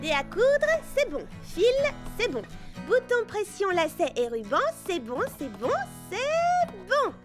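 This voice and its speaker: A woman playing a chirpy young girl shopkeeper in a children's cartoon, polite, brisk and eager to serve. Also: extremely high pitch, huge pitch swings, loud music behind the voice, full character voice. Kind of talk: animated children's series dub.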